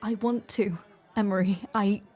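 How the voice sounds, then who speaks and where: Slow, halting woman acting a softened ice general. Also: medium pitch, steady tone. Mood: wistful, vulnerable. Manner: hesitant, halting, breathy half-whispered confiding. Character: icy female war general softened by love, wistful and vulnerable. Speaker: audio roleplay voice actor. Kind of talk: dramatic audio roleplay acting, intimate confiding dialogue.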